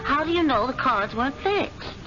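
A woman's voice: high-pitched, normal speed. An actress playing a cool, manipulative woman who coaxes her lover firmly in an old radio drama. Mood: coaxing. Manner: calm, coaxing, firm. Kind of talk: 1970s radio drama acting. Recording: lo-fi vintage radio with music.

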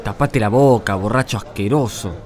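A man's voice: on the low side, moderate pace, darkish tone, natural voice. An actor playing an indebted subject in a radio drama, intense and emphatic in his delivery. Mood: angry contempt. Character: desperate indebted subject, servile upward, harsh downward.

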